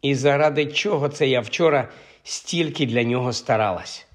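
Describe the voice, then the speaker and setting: A man's voice: mid-range voice, moderate pace, natural voice. A man reading an audiobook, voicing a stern young woman who questions pointedly and insistently. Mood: scornful. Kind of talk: audiobook character voice.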